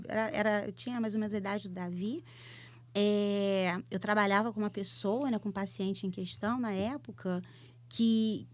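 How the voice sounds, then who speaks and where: A woman psychologist with a Brazilian Portuguese accent talks in a casual podcast conversation, telling stories with lots of animation and hesitant fillers. Her voice sits fairly high. The sound is dry and close, with no room around it. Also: dry recording. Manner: animated storytelling with many fillers. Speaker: psychologist guest.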